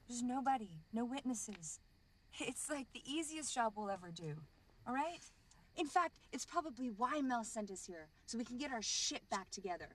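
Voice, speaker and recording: An actress playing an irritable woman on a criminal job, talking fast and swearing at her partner. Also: a little high, slight background noise. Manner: profane, snappish.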